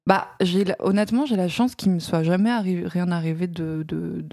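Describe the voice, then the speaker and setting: A woman's voice: on the low side, a little fast, vocal fry, warm tone, no echo, clean studio sound. A woman in her twenties from France, a fashion model, chatting as a guest in an interview with many fillers and restarts. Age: 20s. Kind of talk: casual interview chat.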